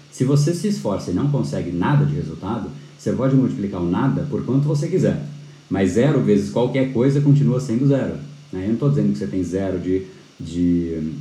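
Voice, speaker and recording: Male instructor, low and warm, animated live-class delivery with a roomy echo. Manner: animated, frequent tag questions, restarts. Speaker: persuasion course instructor. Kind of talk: live-streamed lecture.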